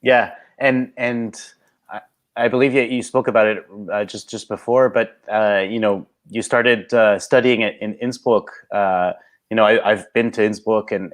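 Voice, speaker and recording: Lower-voiced man hosting an interview. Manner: friendly, hesitant, many restarts and fillers. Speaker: interview host. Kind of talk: casual interview chat.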